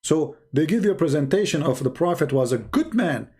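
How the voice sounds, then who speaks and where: A man from the Arab world, hosting a live commentary stream in a sarcastic, mocking, halting way. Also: a little high, expressive, warm tone, slightly rough. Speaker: channel host.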